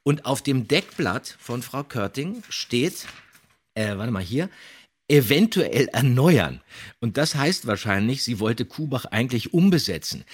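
A man's voice: medium pitch, breathy edge. A man who hosts a podcast and voice acts, commenting casually and animatedly on audio dramas, with theatrically quoted lines. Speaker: podcast host and voice actor.

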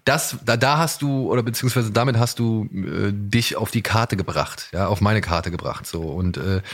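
A man's voice: on the low side, moderate pace. A man hosting a podcast in casual chat, speaking enthusiastically in a rambling way and often correcting himself. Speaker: podcast host. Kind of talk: casual podcast chat about audio dramas.

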